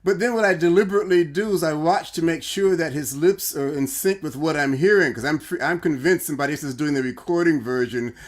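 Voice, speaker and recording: A man hosting a livestream, his voice a touch high. He rambles playfully, laughing as he teases and questions his guest. He is on a video call. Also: brisk, few pauses. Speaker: host. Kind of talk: casual debate on a livestream.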